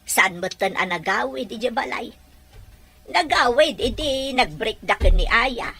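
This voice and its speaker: A woman acting as a weary, resentful mother in an amateur audio drama, with drawn-out delivery. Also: on the high side, expressive, sharp tone, husky, soft background music, full character voice. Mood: worried, complaining.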